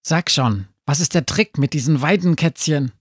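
Man doing a yappy excited talking dog. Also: a little high, husky, no room sound, clean studio sound, voice pushed up. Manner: breathless, rushed.

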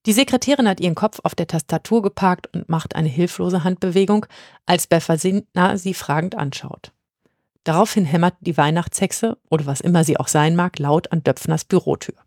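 A woman narrating a storybook in a lively, even-paced reading. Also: on the low side, moderate pace, no echo, studio quality. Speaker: audiobook narrator.

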